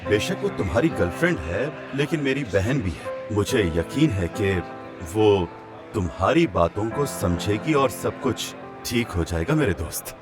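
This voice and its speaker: A teasing, friendly young man in a dubbed TV drama. His pitch swings widely as he talks, with music underneath. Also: big pitch swings, moderate pace. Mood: earnest. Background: background music.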